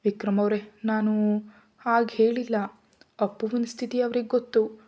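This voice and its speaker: A woman's voice: a little high, flat delivery, moderate pace, mellow, natural voice. A woman voicing a caring, anxious young mother in a read-aloud story. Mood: worried. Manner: tender, pleading.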